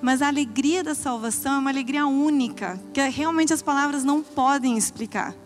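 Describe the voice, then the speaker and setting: High-voiced woman giving an earnest testimony. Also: a little fast, soft background music. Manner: earnest storytelling, acting out her own past words. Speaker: pastor's wife giving testimony. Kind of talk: church testimony.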